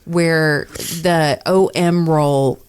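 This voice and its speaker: A woman's voice: low voice, steady tone, slow pace, a little mellow, smooth. A middle-aged woman co-hosting a podcast, reminiscing casually in conversation. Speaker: podcast co-host, radio personality.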